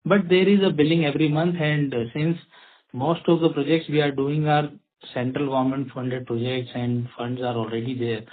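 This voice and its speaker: An Indian-accented man, a company executive, explaining in a halting way as he answers questions on an earnings call. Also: medium pitch, flat delivery. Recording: tinny phone line with clicks and noise.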